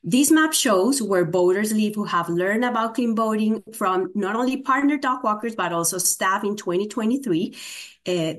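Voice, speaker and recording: A woman with a Spanish accent gives a formal presentation to a commission, speaking in a measured way with frequent "uh" fillers. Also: medium pitch. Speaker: state agency program presenter.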